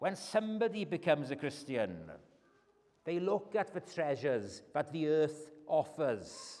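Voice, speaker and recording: In a Welsh accent, a man with a fairly high pitch and a dark, mellow tone speaks at a fairly slow pace with lively intonation. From Wales. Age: 50s. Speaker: lay preacher, school teacher. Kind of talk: sermon. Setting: church evening service.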